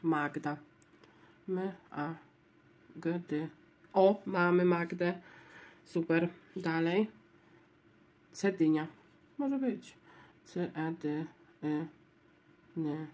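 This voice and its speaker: Casting: woman vlogger, low voice, unhurried, murmurs letters aloud while checking scratch cards. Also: a little mellow. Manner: spells out letters one by one, low-key and murmuring. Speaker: lottery scratch-card vlogger.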